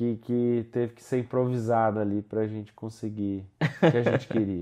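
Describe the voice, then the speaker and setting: The voice has a dark, mellow tone and fairly even intonation, moving at a moderate pace with big swings in loudness. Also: man, medium pitch for a man. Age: 20s. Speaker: entrepreneur, former exchange student. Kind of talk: casual interview chat. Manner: halting, many repetitions.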